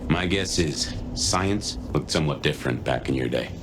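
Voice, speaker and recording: World-weary streetwise guide, low voice w lots of movement, dry n sardonic, game dialogue. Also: male voice, expressive, normal speed, background noise. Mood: dry, wry. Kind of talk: video game voice acting.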